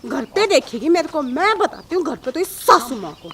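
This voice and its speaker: A woman playing a sharp-tongued young police officer who is also a daughter-in-law. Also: high voice, very animated, normal speed, noisy background. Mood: stern. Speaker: police officer in a comedy telefilm.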